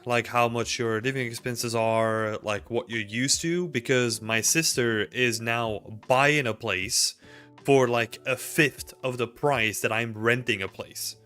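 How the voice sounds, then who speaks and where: This man's medium-pitched voice is clean, bright and forceful. He's a Belgian in his thirties hosting a livestream, rambling through chat questions with heavy use of fillers. The setting is a small indoor room at home, recorded with a desk mic and headphones.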